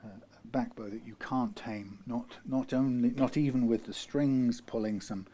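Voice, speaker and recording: A man's voice: medium pitch, fairly even intonation, a little slow, dark tone, a little hiss or hum. A man from the UK working through a guitar repair, talking in a rambling way, correcting himself and dropping dry asides. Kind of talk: workshop how-to narration.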